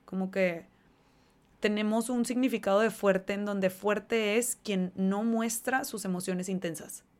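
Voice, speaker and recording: A woman's voice: mid-range voice, measured pace. A woman hosting a podcast, talking earnestly and conversationally about emotions, with many casual fillers. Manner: earnest, animated, conversational with fillers like "o sea" and "como que". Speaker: podcast host.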